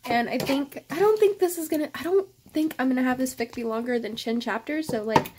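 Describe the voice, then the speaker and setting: A young woman talks straight to camera in a loose, rambling vlog, gushing about what she loves and swearing often. Her voice sits a little high for a woman. A faint hiss stays under her words. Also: brisk. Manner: gushing, swears often, chatty with lots of fillers. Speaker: vlogger. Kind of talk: casual chat.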